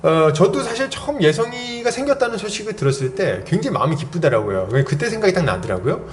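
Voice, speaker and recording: Male pastor, bright upper register, sermon delivery that tells personal stories and quizzes the pews. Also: sits high, fast, slight background noise. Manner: lively, asks the congregation questions and prods with "eh?". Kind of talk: expository sermon.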